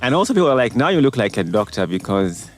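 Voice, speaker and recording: A Ugandan man in his forties, a doctor, telling his life story in a relaxed interview with easy laughs. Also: mid-range voice, fast, faint music behind. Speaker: doctor and guest. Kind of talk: casual interview chat.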